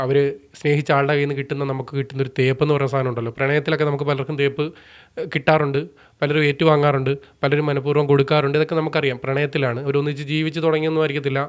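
Over a quiet background, a man with a fairly high voice talks in a monotone, flat way. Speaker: vlogger. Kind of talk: commentary monologue.

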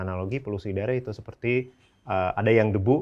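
The speech comes at a very fast pace with ordinary pitch variation over a quiet background. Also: man. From Jakarta, South Jakarta; Jakarta. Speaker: air quality startup founder; guest. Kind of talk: casual interview. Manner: halting, many fillers. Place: studio.

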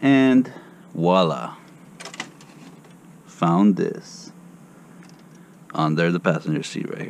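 A man's very deep, low voice at a very slow pace, dry with no echo, over light background noise. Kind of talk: casual vlog chat. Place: garage. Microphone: phone near.

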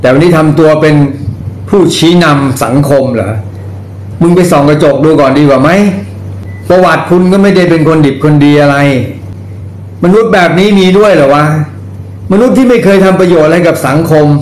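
A man's pitch rises and falls in an ordinary way, with room echo audible around him. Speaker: social media commentator. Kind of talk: angry political rant. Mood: angry, scolding. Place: home room. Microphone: phone near.

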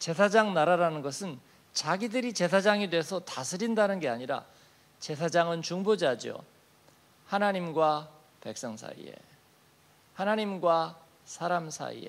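Pausing long and often, a man with a high pitch and ordinary pitch variation speaks at a fairly slow pace, his loudness swinging widely. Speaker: pastor. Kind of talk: sermon. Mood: warm, smiling. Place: church. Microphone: handheld.

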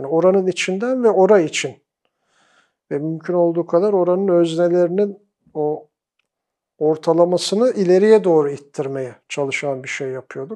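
Against a quiet background, a man speaks at a high pitch with a dark, mellow tone and ordinary pitch variation. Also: moderate pace. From Turkey, grew up in several cities, finished school in Adana; Turkey. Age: 50s. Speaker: oral history interviewee, academic and former student activist; interviewee. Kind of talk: oral history interview. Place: studio. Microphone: lapel.

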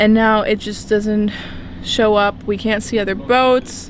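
Light background noise is present. The voice belongs to a woman. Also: dry sound with no echo. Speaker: sailing vlogger. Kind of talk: casual vlog chat. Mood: slightly frustrated, then relieved. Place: boat. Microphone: phone near.

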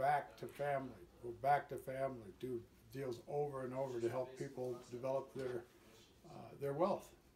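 The man's voice is somewhat breathy, at a moderate pace. Light background noise sits behind him. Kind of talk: interview answer. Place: office. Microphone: camera far.

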